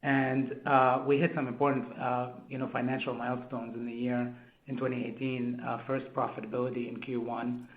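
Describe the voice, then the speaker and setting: Male exec on earnings call, flat delivery, halting corporate talk, echoey phone sound. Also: mid-range voice. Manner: halting, jargon-heavy. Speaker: company executive. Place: conference call over phone. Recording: tinny, echoey phone conference line.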